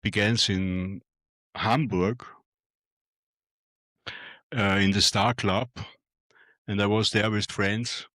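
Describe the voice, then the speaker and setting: Older Austrian man, deep slow voice. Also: steady tone, fairly bright tone, no room sound. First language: German. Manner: hesitant, halting with many fillers. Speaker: guest photographer. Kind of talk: speech to an audience.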